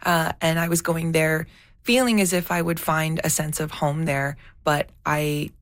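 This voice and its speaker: A woman documentary filmmaker answering interview questions thoughtfully, often pausing and restarting as she searches for words. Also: sits low, fairly even intonation, no echo.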